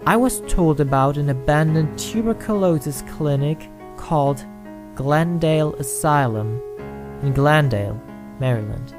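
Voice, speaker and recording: A man voicing a timid young man who stammers and blames himself, then slowly tells a ghost story in an amateur audio drama. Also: a little high, music in the background. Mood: storytelling. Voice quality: hesitant, stammering.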